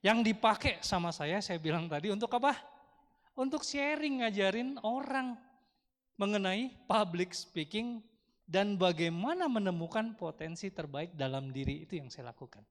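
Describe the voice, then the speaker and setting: A man's voice: sits high, animated, normal speed. A man with an Indonesian accent giving a chatty Dharma talk to a congregation, often asking the audience questions. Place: large temple hall. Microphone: handheld microphone through speakers. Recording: long hall reverb from speakers.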